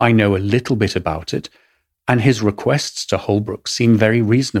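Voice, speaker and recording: Recorded very cleanly with a silent background and a dry, close sound with no echo, a man with an English accent speaks at a moderate pace in a fairly low voice with ordinary pitch variation. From Britain. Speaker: podcast host. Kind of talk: scripted narration.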